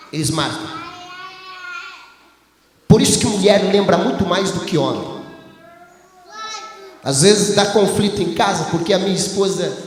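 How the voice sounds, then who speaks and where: A man preaching as a pastor, telling animated stories and acting out his wife's lines. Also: sits high. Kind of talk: sermon. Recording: echoey hall, faint ambience.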